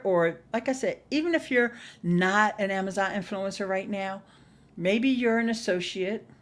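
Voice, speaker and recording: A middle-aged woman chatting casually to livestream viewers as host, folksy and playful, leaning on words for emphasis. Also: medium pitch. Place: small indoor home studio. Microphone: desktop microphone close by.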